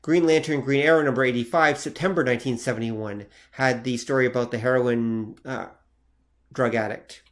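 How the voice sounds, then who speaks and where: A man co-hosting a relaxed podcast, checking details aloud and stopping on fillers. His voice sits at an ordinary middle pitch. He sounds attentive and unhurried. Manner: attentive, reads out facts with hesitant fillers. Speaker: podcast co-host. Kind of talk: casual chat.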